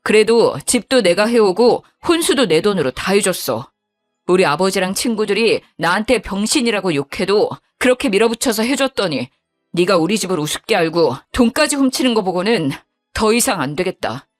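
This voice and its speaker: A woman voicing an angry young husband who scolds bluntly in a lowered voice. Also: expressive, moderate pace, soft background music, lightly acted.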